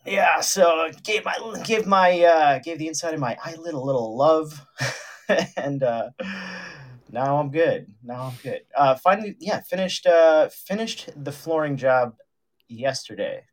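A man's voice: fairly high pitch, measured pace. A man co-hosting a radio show, teasing his partner in casual, joking chat. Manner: teasing, playful banter. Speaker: radio co-host.

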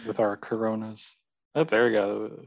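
A man's voice: lowish voice, little pitch movement, normal speed, gravelly, no echo. A young man co-hosting a podcast, teasing and playful in casual chat. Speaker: podcast co-host.

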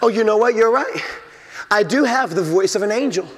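Pastor guy preaching, pretty high voice, big echo tail from the church hall. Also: animated, brisk. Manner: emphatic preaching, acts out inner voices. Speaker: senior pastor. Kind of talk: sermon. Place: church sanctuary.

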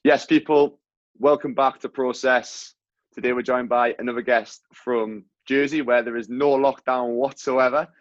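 Man host on a low-quality, lo-fi stream. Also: fairly even intonation, moderate pace, no echo. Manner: chatty, friendly, calls the guest mate. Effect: low-quality audio from a faulty mic and wifi. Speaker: podcast host. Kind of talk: casual chat. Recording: dull, lo-fi, dry mic audio.

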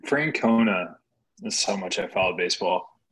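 A man's voice: low-pitched, expressive, moderate pace, fairly bright tone, breathy edge, poor audio. A man co-hosting a podcast, rambling and joking in casual chat, full of filler words. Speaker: podcast co-host.

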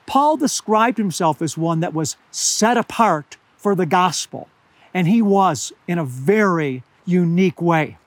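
An older man preaching a sermon outdoors at high altitude, slightly hoarse, earnest and deliberate, slowing down to stress key words. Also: animated, no echo. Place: outdoors among pine trees at high altitude.

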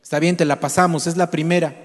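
A man's voice: fairly high pitch, steady tone, fast talker, natural voice. A man doing skeptical, weary villagers. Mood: dismissive. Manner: dismissive, resigned. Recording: long hall reverb.

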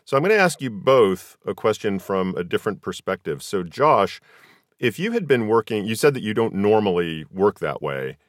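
A man hosting a conversational interview, speaking in a measured, deliberate way as he lays out long questions. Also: lowish voice, sing-song, dry recording, studio quality. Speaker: podcast host and interviewer.

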